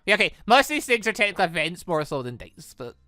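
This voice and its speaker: Animated, bright-voiced gaming commentator over music. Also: mid-range voice, quick pace, no room sound. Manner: animated, exclamatory reactions. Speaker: gaming YouTuber, let's player. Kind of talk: commentary and read-aloud of a visual novel game. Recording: music behind the voice.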